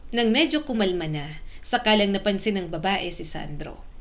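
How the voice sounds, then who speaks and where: A woman narrating a dramatic story slowly and with feeling, pausing for effect. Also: medium pitch, animated, a bit bright. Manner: slow, emotional, dramatic pauses.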